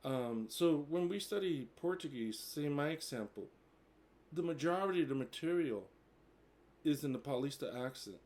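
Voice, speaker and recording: A man's voice: on the high side, expressive, measured pace, a little mellow. A man in his forties, a native English speaker, talking casually and hesitantly to camera, with many fillers, and switching between Portuguese and English. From United States. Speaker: vlogger. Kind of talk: casual bilingual talk to camera.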